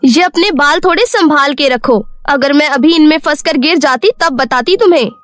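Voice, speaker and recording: A woman's voice: sits high, normal speed, fairly bright tone, dry recording, soft background music, pitched above the performer's own voice. A woman voicing a vain, arrogant young princess with a haughty, demanding manner in a cartoon moral story. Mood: angry, haughty. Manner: haughty, self-admiring, demanding.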